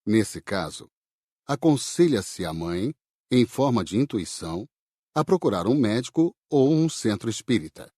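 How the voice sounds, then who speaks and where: A Brazilian man voicing a patient spirit worker who explains in a measured, didactic way, with a slightly husky voice, in an audiobook. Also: fairly low pitch, sing-song, dark tone, no room sound, clean studio sound. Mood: patient, explanatory. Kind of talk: audiobook dialogue reading.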